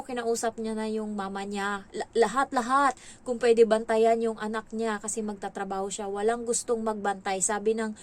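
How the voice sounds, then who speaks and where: A woman from the Philippines working as a domestic helper, telling stories in a casual, animated vlog and acting out what others said. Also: on the high side. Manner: chatty, animated, quotes others in raised voices.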